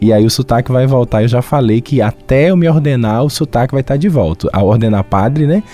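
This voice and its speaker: With music in the background, a man of medium pitch talks with lively intonation. He barely pauses and keeps his loudness very even. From Brazil, Recife (Pernambuco). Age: 30s. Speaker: deacon and missionary. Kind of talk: radio interview.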